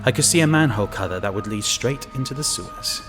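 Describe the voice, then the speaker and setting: A man's voice: medium pitch, animated, quick pace, over music, close to an everyday voice. A man playing an uneasy utility inspector alone in the sewers, narrating an audio drama and musing to himself. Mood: brooding, watchful narration. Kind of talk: first-person narrated audio drama with muttered asides.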